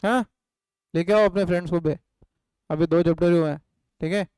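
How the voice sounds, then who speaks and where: A man's voice: high voice, steady tone, brisk, darkish tone, clean tone, dry recording, poor audio. An economics teacher with an Indian accent, giving a live online lesson. He poses questions to the class, answers them himself and dictates notes word by word.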